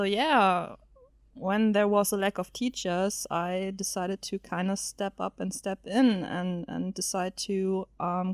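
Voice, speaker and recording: A woman's voice: fairly low pitch, no echo, clean studio sound. Giggly woman with a German native tongue. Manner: chatty, laughs often, hesitant fillers. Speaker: featured guest. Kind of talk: casual podcast interview.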